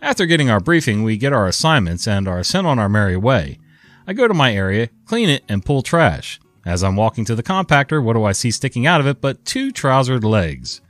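A man's voice: medium pitch, a little fast, dry recording, faint music behind. A man reading online stories aloud and adding his own casual commentary. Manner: lively, conversational storytelling. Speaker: story narrator.

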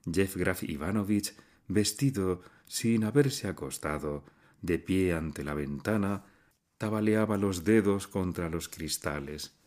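A man narrating a classic short story in a measured, somber reading style. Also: deep voice, a little mellow. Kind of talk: literary audiobook reading.

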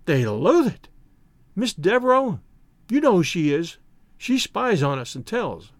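A coquettish teenage schoolgirl, as a male reader plays her, high and swooping in pitch. She is arch, breathless and mocking, with a theatrical affectation in her storybook dialogue. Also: very animated, a little slow, no echo. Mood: confiding. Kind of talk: audiobook character dialogue.

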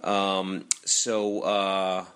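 An American man hosting a podcast, talking loosely and haltingly through plugs and sponsor reads in a casual, ad-libbed way. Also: low voice, monotone, fairly bright tone, clean tone. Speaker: podcast host.

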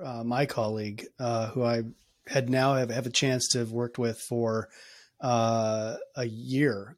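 A man of middle pitch speaks as a podcast guest. He sounds keen, yet he often breaks off and restarts his sentences. His pauses are filled with hesitations as he works toward his point. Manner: halting, many restarts and fillers, energetic. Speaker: podcast guest, company founder. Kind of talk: conversational podcast interview.

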